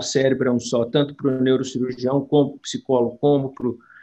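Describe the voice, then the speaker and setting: The man speaks at a moderate pace. His pitch is medium and his intonation fairly even. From Brazil, Goiás. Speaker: neurosurgeon. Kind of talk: podcast interview. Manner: halting with fillers.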